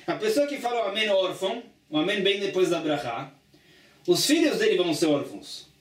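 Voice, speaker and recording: A man teaching a Talmud lesson, reading a line of the text aloud and then explaining it step by step. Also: sits high. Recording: echoey room, voice from a distance.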